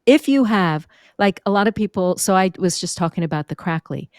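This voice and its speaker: A woman from New York, a speaking and vocal coach, chatting as a guest on a podcast with an expressive, lively teaching manner. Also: on the low side, a little fast, dry recording, studio quality. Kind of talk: conversational podcast interview.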